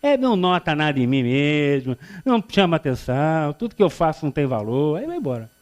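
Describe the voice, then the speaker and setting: A man's voice: on the high side, brisk. A man in his fifties with a Rio de Janeiro accent, giving a public spiritist talk as a lecturer, joking and acting out little dialogues as he tells stories. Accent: Carioca Brazilian Portuguese. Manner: animated, joking storyteller who acts out dialogue. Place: lecture hall before an audience.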